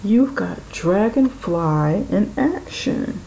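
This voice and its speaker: A woman's voice: medium pitch, lively intonation, slow, gravelly, dark tone, slight background noise, low-quality recording. A woman giving an intuitive tarot reading, musing aloud and speaking to spirit and the viewer. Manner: musing, talks to spirit and viewer, laughs often. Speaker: tarot reader.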